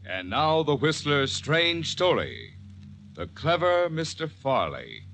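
A theatrical male radio announcer in 1940s style. His voice is on the high side and very animated, emphatic in its scripted phrasing, with music underneath. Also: slow, gravelly.

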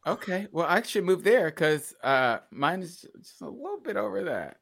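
A man chats as a podcast co-host in a cheeky, campy way. His pitch is very animated and swings widely through playful, casual banter. He sounds loose and teasing. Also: normal speed, creaky, background noise.

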